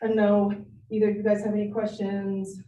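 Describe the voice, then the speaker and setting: A middle-aged woman giving a live workshop talk to parents, animated and lively, acting out friends she quotes. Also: mid-range voice, moderate pace, dull audio. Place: meeting room. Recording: echoey room, distant mic.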